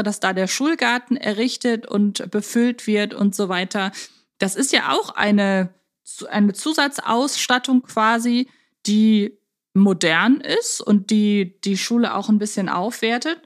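A woman co-hosting a podcast in a casual conversational style, talking in a measured, reflective way as she thinks her points through. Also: medium pitch. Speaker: podcast co-host.

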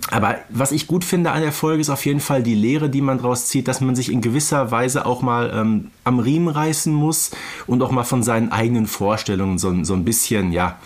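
A man's voice: medium pitch, a little fast. A man co-hosting a podcast, chatting casually about audio dramas. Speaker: podcast co-host.

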